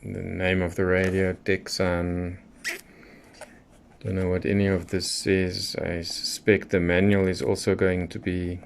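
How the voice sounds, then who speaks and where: A man giving a casual, unscripted product review in a measured, matter-of-fact way with pauses between short phrases. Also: deep voice, completely flat delivery, vocal fry, slight background noise. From South Africa. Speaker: radio hobbyist presenter.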